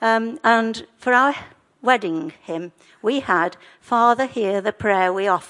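In a West Midlands accent, a woman speaks at a very slow pace in a fairly high pitch, with ordinary pitch variation and a quiet background. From English Midlands, Stafford. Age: 70s. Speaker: retired teacher, runner. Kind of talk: personal testimony. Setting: church. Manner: lively.

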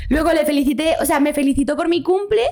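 A woman's high-pitched voice at a very fast pace. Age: 20s. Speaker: musician and content creator. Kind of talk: casual interview chat.

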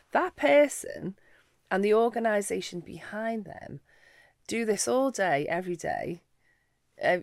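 A woman with a Liverpool accent speaks with very wide pitch swings on a very clean recording with a silent background. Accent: Liverpool (Scouse) English. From Liverpool, England. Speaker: social engineering expert. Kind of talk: interview.

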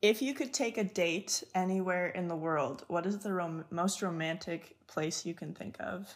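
The recording is very clean with a silent background, carrying a plain, everyday voice at a moderate pace with ordinary pitch variation and hardly any pauses. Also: woman, fairly low pitch for a woman. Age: 20s. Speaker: podcast host. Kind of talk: interview.

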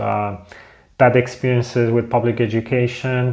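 A man with a Polish accent at medium pitch and a fairly slow pace. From Poland. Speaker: YouTuber and life coach. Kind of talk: casual monologue to camera.

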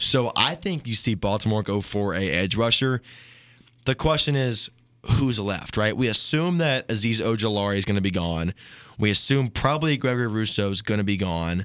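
Heard in a very clean recording with a silent background, a man with a normal speaking voice and fairly low pitch speaks at a moderate pace with lively intonation. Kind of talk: radio DJ patter, station promo read and sports banter.

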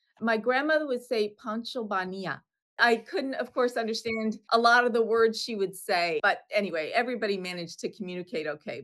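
A woman with fairly high pitch and an unremarkable speaking voice talks at a fairly quick pace with ordinary pitch variation. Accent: American. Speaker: mother and heritage keeper. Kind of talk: interview conversation.

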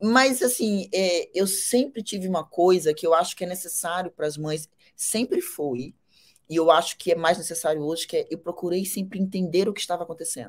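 Recorded very cleanly with a silent background, a woman has a normal speaking voice, fairly low in pitch with ordinary pitch variation. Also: moderate pace. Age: 40s. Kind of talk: interview.

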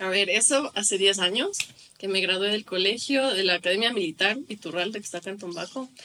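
Using a normal speaking voice, a woman speaks at a fairly quick pace and a medium pitch with ordinary pitch variation. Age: 20s. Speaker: entrepreneur. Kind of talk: interview.

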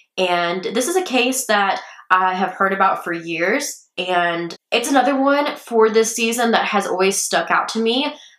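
Room echo is audible as a woman speaks fairly slowly with hardly any pauses. Her voice is fairly high, with lively intonation. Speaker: true crime podcast host. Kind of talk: casual podcast narration. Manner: casual, filler words.

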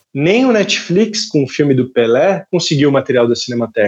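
Lively in intonation, a man delivers his words at a fairly quick pace. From Brazil, São Paulo city. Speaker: film editor and documentary director. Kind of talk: interview.

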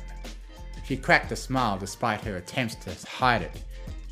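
Reading aloud, plain and simple.

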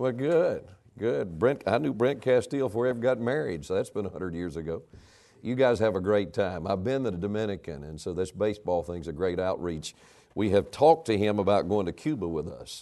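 With a Southern US accent, a man speaks at a fairly low pitch and a fairly quick pace. His tone is dark and mellow, with lively intonation. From US South, North Carolina. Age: 70s. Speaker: evangelist preacher. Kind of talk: sermon. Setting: church.

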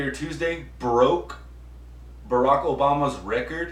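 A man with a Texan accent, with audible room echo. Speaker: podcast co-host. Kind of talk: casual chat.

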